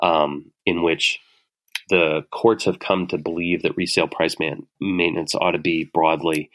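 A middle-aged man, an author being interviewed, explaining ideas in a hesitant, thoughtful way with many pauses and restarts. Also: low-pitched, flat delivery, a bit bright. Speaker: author and guest. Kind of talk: casual spoken explanation.

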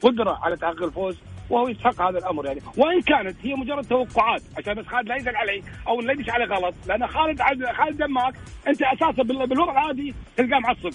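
A man's voice: very high voice, expressive, very fast, a bit bright, faint music behind, rough recording. A man, a sports pundit in a heated radio debate, insistent and stumbling over his words.

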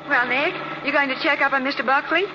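A woman's voice: high-pitched, fairly even intonation, fast, natural voice. A woman playing a self-assured, teasing detective's assistant in a 1940s radio crime drama. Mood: inquiring. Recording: muffled, noisy vintage radio recording.

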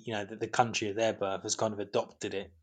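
On a casual football podcast, a male co-host often stumbles and restarts his sentences. His voice is lowish and flat, delivered at a quick pace.

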